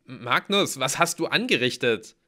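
A man's voice: mid-range voice, expressive, a little slow, bright, forceful tone, pitched above the performer's own voice. A man reading aloud and voicing an earnest, loyal young male hallmate who talks with urgency.

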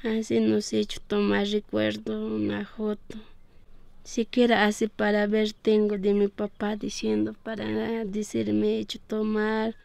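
A middle-aged woman from the Ayacucho region with an Andean Peruvian Spanish accent, giving a halting personal testimony in simple phrasing. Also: medium pitch, monotone, vocal fry, darkish tone, smooth, no echo. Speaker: relative of a disappeared man, giving testimony.

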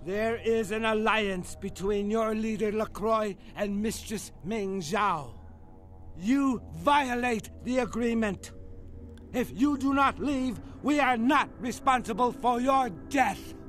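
An actor playing a stern, formal vampire guard who gives slow, menacing warnings in a video game. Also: male voice, sits high, fairly bright tone, a little hiss or hum.

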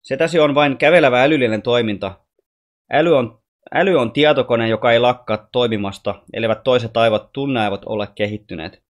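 A man voices a calm, patient alien boy from the stars who is soft-spoken and wise. In a middling-pitched voice close to his everyday one, he gently explains things like a storybook teacher.

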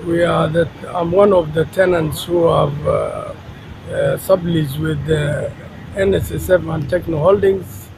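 A middle-aged man, a tenant, giving a halting, emphatic statement to reporters outdoors on a city street. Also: fairly high pitch, big pitch swings, vocal fry. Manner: halting, many fillers, grows emphatic. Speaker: tenant speaking to press. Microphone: handheld reporter mics close. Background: traffic and street ambience.

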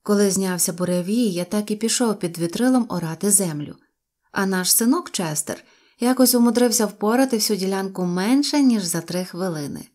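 A woman narrating a children's story aloud with a lively, expressive reading. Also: mid-range voice. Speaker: audiobook narrator.

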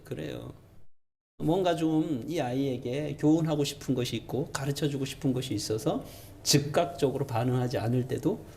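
A man in his thirties preaching a sermon as a pastor, animated and acting out complaining questions to God. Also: gravelly. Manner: animated, voices questions to God in a raised pitch. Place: church sanctuary.

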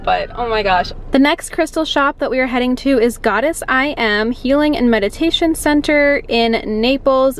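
A woman's voice: fairly high pitch, a little hiss or hum. Chatty young woman vlogging from a car. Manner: upbeat, chatty, excited. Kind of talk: casual vlog chat. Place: inside a parked car. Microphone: camera mounted on the dashboard.

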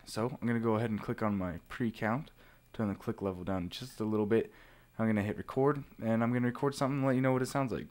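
A man narrating a software tutorial informally, explaining things step by step. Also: fairly low pitch, fast, slight background noise. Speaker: tutorial presenter.

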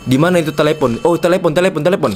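Sex: male. Role: gaming streamer. Style: playful live commentary. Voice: fairly high, faint noise behind. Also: racing, darkish tone. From Indonesia. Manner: playful, chatty, keeps calling to viewers. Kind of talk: casual live gameplay commentary.

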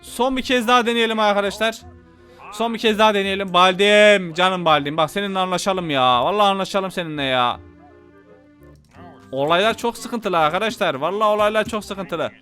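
A man giving casual, excitable let's-play commentary as a gaming YouTuber, panicking and talking to his viewers as friends. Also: high voice, brisk, soft background music.

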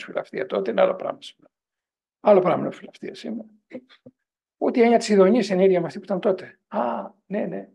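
A middle-aged priest and professor lecturing a parents' group in a digressive style, often asking the audience whether they agree. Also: male voice, high voice, creaky, slightly rough. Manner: animated, digressive storytelling.

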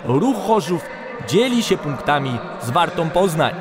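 A man narrating football match highlights as commentator, calm between chances and shouting when shots come. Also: a little slow. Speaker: sports commentator. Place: voice-over over stadium crowd sound. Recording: loud crowd and field noise underneath. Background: stadium crowd and noise.

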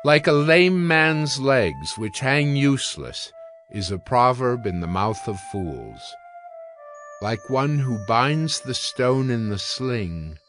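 A man reads scripture as a dramatized audio narration. His voice sits at an average pitch and moves slowly, with emphatic phrasing and deliberate pauses. Music plays softly behind him. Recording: music bed under the voice.

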